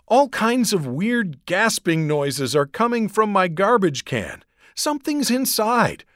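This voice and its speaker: A woman's voice: mid-range voice, sing-song, dry recording, clean studio sound, voice pushed up. A man doing a shrieking panicky schoolgirl. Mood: frantic. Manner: frantic, breathless, rushing. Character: panicky talkative fifth-grade girl.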